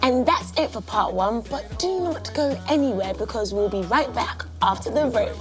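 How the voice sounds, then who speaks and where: A woman's voice: fairly high pitch, lively intonation, normal speed. A female music show host interviewing a guest, upbeat and playful in her presenting. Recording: noisy track with clicks.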